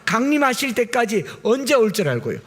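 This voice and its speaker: A male pastor preaching a Sunday sermon, swinging between loud exclamations and quiet, low asides. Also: very animated, brisk.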